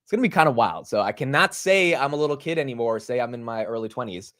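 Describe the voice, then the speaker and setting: Brief: twenties male host, upbeat live-stream chatter, mid pitch, dry close audio. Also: lively intonation, quick pace, fairly bright tone, no room sound. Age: 20s. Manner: upbeat and slangy, greets viewers. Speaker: livestream host. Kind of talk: casual live market chat.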